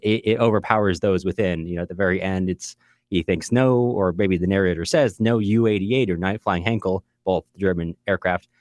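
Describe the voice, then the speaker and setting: A man's voice: low voice, no echo, studio quality. A man from California with an American accent, co-hosting a casual literary discussion in a reflective way with some wry joking. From California, USA. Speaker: podcast co-host.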